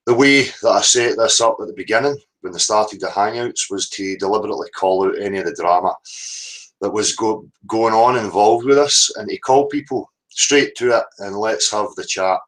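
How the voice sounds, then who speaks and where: A man's voice: on the low side, normal speed, a bit bright, rough recording. A man with a Scottish accent delivering an impassioned, confrontational unscripted rant as a livestream host, blunt, insistent and heavily sweary. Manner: confrontational, insistent, tagging points with "right?".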